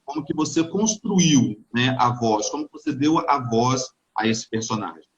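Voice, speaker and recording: Upbeat male interviewer of middle pitch. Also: expressive, normal speed, lo-fi sound. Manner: upbeat, greets audience members by name. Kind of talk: live interview.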